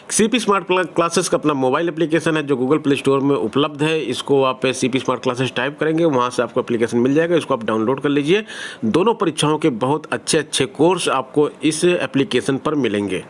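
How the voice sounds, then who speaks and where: A man with a Hindi accent giving exam-preparation advice to students in a direct, conversational teaching style with everyday examples. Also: on the high side. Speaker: online exam-prep teacher.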